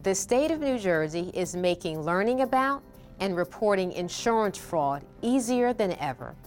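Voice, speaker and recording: A woman official reading a scripted public service announcement in a measured tone. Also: mid-range voice, animated, faint music behind.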